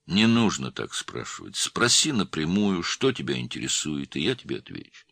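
A man voicing an old male jeweler in his seventies, who speaks slowly and quietly with calm dignity. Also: very deep voice, creaky, breathy edge, dry recording, heavily acted. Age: 70s.

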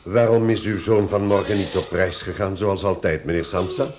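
An actor in a radio play playing an officious, stern chief clerk who speaks formally and reproachfully. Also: male voice, deep voice, fairly even intonation, normal speed, a crowd in the background, close to an everyday voice. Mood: brisk, formal. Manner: formal, pompous. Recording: echoey, slightly noisy radio drama recording.

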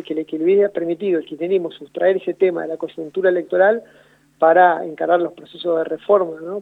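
A man with an Argentine accent, a radio guest giving measured, analytical answers and often rephrasing himself. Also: fairly high pitch, vocal fry, dry recording. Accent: Argentine Spanish. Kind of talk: radio phone interview. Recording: tinny phone line on radio.

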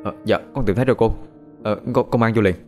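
A man voicing a nervous, polite teenage boy who stammers quick replies in a horror audiobook. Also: on the low side, faint music behind, lightly acted.

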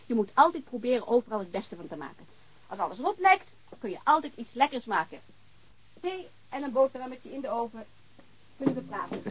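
A woman's voice: fairly high pitch, sing-song, fairly quick, slight background noise, poor audio. An actress playing a blunt, teasing and informal landlady in a naturalistic radio drama. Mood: chatty, insistent. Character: outspoken, unconventional landlady, informal and hospitable, wary of police.

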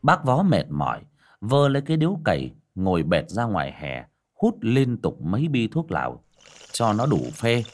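A man's voice: fairly low pitch, huge pitch swings, normal speed. A man narrating a ghost story with dramatic, swooping delivery.

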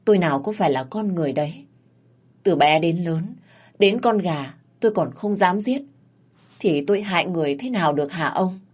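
A woman's voice: lively intonation, moderate pace. Woman putting on a wailing, scheming mother-in-law. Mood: pleading innocence. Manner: tearful, wheedling, higher pitch. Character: scheming middle-aged mother-in-law, wailing, fake-pleading.

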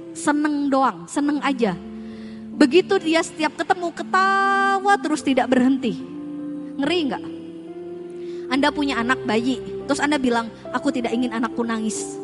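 A woman with a high, bright-pitched voice gives an animated Islamic parenting talk to a room of parents. She throws rhetorical questions at the audience and slips into quoted voices to make her point. Music plays clearly behind her. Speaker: parenting seminar speaker.

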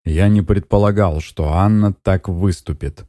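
A man reading an audiobook, voicing an irritated, weary older uncle in a gruff way. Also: deep voice, a little slow, mellow, no room sound, studio quality.

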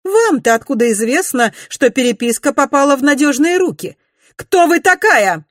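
A woman's voice: high-pitched, expressive, a little fast, dry recording, clean studio sound, voice pushed up. A woman reader voicing a haughty, jealous society lady who turns indignant and imperious. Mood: furious shouting.

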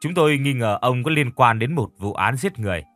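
A man voicing a stern police officer speaking formally and slowly. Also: mid-range voice, lively intonation, fairly bright tone, no room sound, soft background music, close to an everyday voice.

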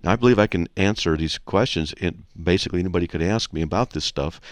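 A man hosting a Christian call-in radio show, talking casually and frankly as he teaches and tells stories in an animated way. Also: deep voice, fast talker. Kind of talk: casual conversational teaching and anecdotes.

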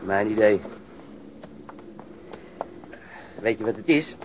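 A man's voice: on the low side, fairly quick, noisy background, close to an everyday voice. A man acting a brash, crooked policeman in a radio drama, blunt and conspiratorial. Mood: scornful. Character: brash, crooked male policeman, eager to bend rules.

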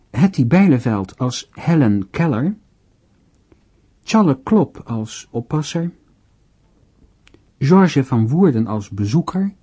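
Male announcer, formal credit reading, dark husky tone, measured delivery. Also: mid-range voice. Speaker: radio drama announcer. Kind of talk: scripted closing credits reading.

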